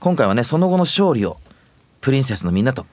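A man voicing a gentle, earnest young idol. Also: medium pitch, big pitch swings, dry recording, close to an everyday voice. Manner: gentle, measured, polite. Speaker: member of a virtual dance-vocal group. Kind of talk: casual radio talk in character.

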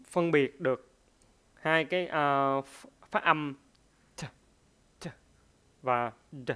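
A man's voice: medium pitch, a bit bright, clean tone. A man teaching a pronunciation lesson. He hesitates often, uses many fillers, and repeats each word several times to demonstrate it.

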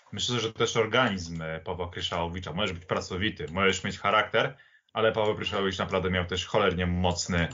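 Low-pitched emphatic man, dull recording. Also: sharp tone. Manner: emphatic, halting, repeats phrases. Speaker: podcast guest, football pundit. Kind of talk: opinionated football discussion.

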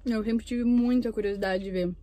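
A young Brazilian mukbang YouTuber talks casually while eating in a parked car, filmed by a dashboard camera. She speaks at normal speed in a warm, steady voice that's on the high side.

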